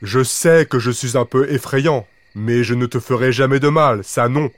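A man doing a big gruff gentle forest monster. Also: normal speed, no echo, close to an everyday voice. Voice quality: deep big voice made soft. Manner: growling, stern to bullies.

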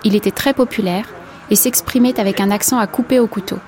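A woman reading scripted radio documentary narration in a measured, composed way. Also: medium pitch, fairly even intonation, a little mellow.

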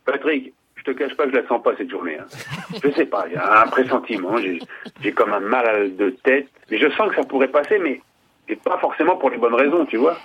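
A gloomy doomed king mumbles in a casual, downbeat way, as a man acts it out. The voice is husky, and the recording is dull and muffled. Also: mid-range voice, lively intonation, fairly quick.

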